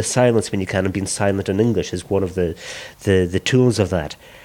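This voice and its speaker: A man talks with a Hebridean accent. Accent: Hebridean Scottish English. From Isle of Lewis, Scotland. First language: Gaelic. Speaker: Gaelic poet. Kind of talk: conversation.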